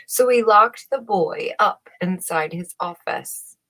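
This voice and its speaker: Woman, husky, lowish pitch, slow pace, expressive scripted storybook narration. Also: rough recording. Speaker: storyteller reading a children's book aloud.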